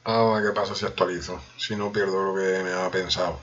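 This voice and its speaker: A man's voice: sits low, flat delivery, fairly quick, a bit bright, dull audio. A man with a Spain Spanish accent giving a joking running commentary to himself during a casual live coding stream.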